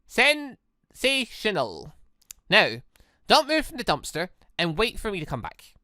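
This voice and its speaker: A man's voice: high voice, wildly swooping pitch, measured pace, pushed and bright, no room sound, studio quality, voice pushed up, heavily acted. A man voicing a kind, earnest, cheerful girl who is eager to help, in a visual novel. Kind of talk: reading a visual novel aloud.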